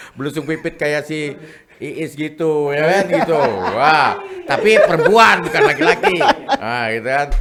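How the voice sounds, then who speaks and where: Over music in the background, a man speaks at a moderate pace in an animated tone with very wide pitch swings. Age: 60s. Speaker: cultural figure. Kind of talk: podcast interview. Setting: studio.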